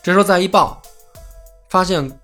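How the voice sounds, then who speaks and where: A man's voice: high voice, normal speed, soft background music. A man, casually telling a history story as a podcast host and acting out the quotes. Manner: lively, acts out quotes in plain voice.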